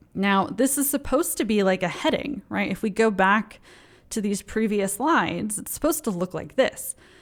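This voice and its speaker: A woman with an unremarkable speaking voice and fairly high pitch talks at a moderate pace with lively intonation, recorded very cleanly against a silent background. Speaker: presentation skills trainer. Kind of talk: tutorial. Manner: casual, many fillers.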